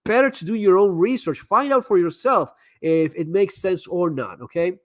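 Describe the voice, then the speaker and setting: A man's voice: high voice, expressive, moderate pace, dry recording, studio quality. A man hosting a live stream, chatting casually and giving candid advice, often repeating words as he restarts sentences. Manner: frequent stammered repeats and restarts. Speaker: live stream host answering viewer messages.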